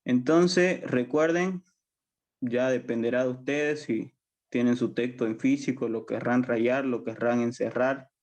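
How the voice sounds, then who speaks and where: A man's voice: mid-range voice, steady tone, unhurried, darkish tone. A man with a Bolivian accent teaching a university language class. He explains patiently, repeats himself and keeps checking that students follow. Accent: Bolivian Spanish. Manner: patient, repetitive, checks understanding often. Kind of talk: online class lecture.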